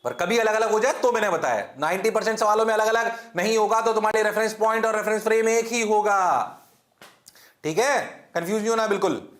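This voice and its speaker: A man's voice: sits high, a little fast. A man from India teaching a physics class in a lecture style, firing questions at students, answering them himself, and checking again and again that they understand. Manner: mixes English terms into Hindi speech, repeats checks for understanding. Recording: echoey classroom.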